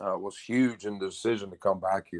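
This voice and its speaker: A man with a Southern US accent and a fairly low, bright, sharp voice, recorded dry and close with no echo against a silent, very clean background. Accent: Southern twang. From US South, Mobile, Alabama. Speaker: college football coach. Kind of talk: podcast interview.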